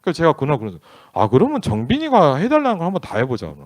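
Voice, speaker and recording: A male pastor tells a family story in a storytelling sermon, preaching in a candid, conversational way and acting out snippets of dialogue. His voice is a little high, with huge swings in pitch, and he speaks fast. The recording has no room sound.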